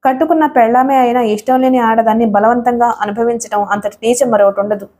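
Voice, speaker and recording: A stern, righteous young hero man, as a woman reads him in an audio story. He speaks firmly and scolds, in a mellow voice pitched a little high. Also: fairly even intonation, brisk, natural voice. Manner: firm, scolding.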